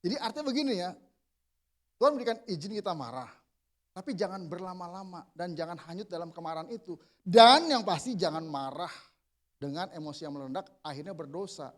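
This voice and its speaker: A man's voice: sits high, animated, a little fast. A man, a pastor preaching to a men's group in a casual, conversational way, answering his own questions and slipping into everyday slang.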